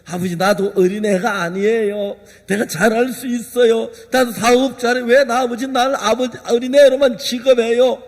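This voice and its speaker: A man's voice: extremely high pitch, flat delivery, moderate pace, few pauses. A man preaching voices a defiant young son who whines at his father to be taken seriously. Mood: defiant pleading. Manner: defiant, whining. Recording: long hall reverb.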